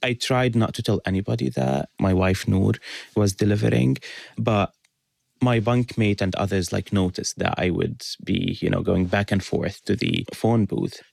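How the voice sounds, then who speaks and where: Man from syria, very low voice, heavy gravelly fry, husky, hesitant and reflective, radio interview guest. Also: moderate pace, darkish tone, dry recording. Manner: hesitant, reflective, many fillers.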